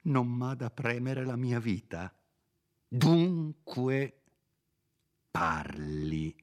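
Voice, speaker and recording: A man's voice: mid-range voice, animated, slow, pitched above the performer's own voice. A man reading aloud and voicing an angry young villager who threatens and insists on answers. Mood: threatening. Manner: forceful, insistent demands.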